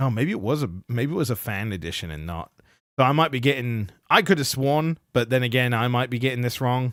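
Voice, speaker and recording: Lively intonation marks a man speaking at a fairly quick pace in a very clean recording with a silent background. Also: medium pitch for a man. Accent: British. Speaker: gaming streamer. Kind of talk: live stream chat while gaming. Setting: live stream. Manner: casual, halting with fillers.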